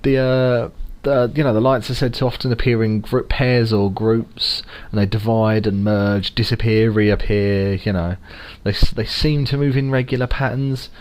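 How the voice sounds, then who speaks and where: Rambling London man, low voice. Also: fairly even intonation, normal speed, few pauses, darkish tone. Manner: rambling, loose and jokey, lots of fillers. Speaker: podcast co-host. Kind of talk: casual chat.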